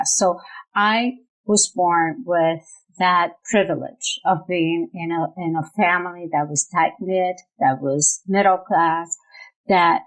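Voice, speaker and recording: A woman's voice: lowish voice, low-quality recording. A middle-aged woman with a Puerto Rican accent, speaking as an interview guest and telling a personal story conversationally. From Puerto Rico. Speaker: podcast guest, nonprofit chief executive.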